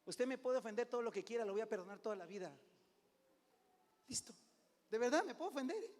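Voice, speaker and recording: A middle-aged man preaching as a pastor, conversational, often calling "hermano", swinging between loud and hushed. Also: very high-pitched, animated, fast. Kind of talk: sermon. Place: church sanctuary. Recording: long hall reverb.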